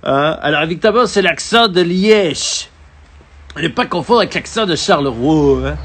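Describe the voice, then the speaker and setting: A man's voice: mid-range voice, moderate pace, natural voice. A French man putting on a hammy Liège accent as a jovial show host. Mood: hammy cheerful. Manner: hammy, exaggerated accent imitation.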